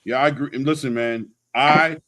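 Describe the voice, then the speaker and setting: A boxing channel host talks at a normal speed in a steady, fairly bright, medium-pitched voice. His casual sports talk and opinions are animated and emphatic, full of slang and repeated words for emphasis.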